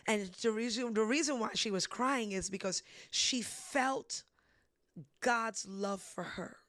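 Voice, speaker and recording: A woman hosting a casual faith discussion, telling stories with lively animation and frequent laughs. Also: a little high, takes it slowly, dry recording, studio quality. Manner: animated storytelling, laughs often. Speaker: ministry host.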